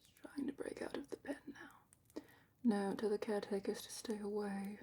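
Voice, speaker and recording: A woman playing a calm, attentive dragon matchmaker in a slow, whispered ASMR roleplay with thoughtful pauses. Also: medium pitch. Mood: quietly authoritative. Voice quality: breathy, whispery. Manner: slow, gentle, thoughtful questioning with murmured pauses. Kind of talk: soft-spoken ASMR roleplay, largely whispered.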